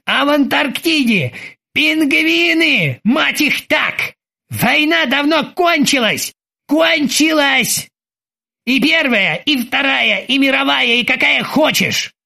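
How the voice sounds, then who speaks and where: A man voicing an irritable middle-aged yacht captain who barks and shouts in exasperation. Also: high-pitched, big pitch swings, takes it slowly, breathy edge, full character voice. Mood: furious shouting.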